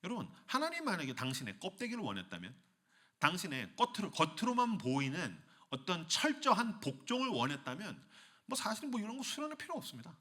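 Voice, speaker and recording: Male preacher, animated delivery, playful, bright voice, church hall. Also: high-pitched, brisk. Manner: animated, playful, acts out scenes. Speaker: youth retreat preacher. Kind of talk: sermon.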